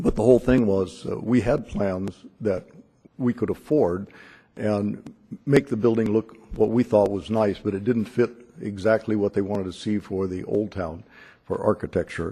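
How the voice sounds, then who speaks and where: A dark, mellow tone with ordinary pitch variation. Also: man. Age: old. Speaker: business owner speaking at public comment. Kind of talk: public comment at city council meeting. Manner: halting, many fillers.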